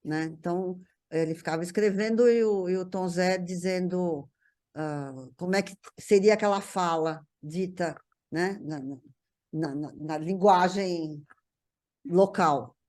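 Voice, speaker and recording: Halting Brazilian woman reminiscing in conversation. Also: fairly low pitch, a little mellow. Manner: halting, repeats words while searching for phrasing. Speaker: guest recalling a writer relative.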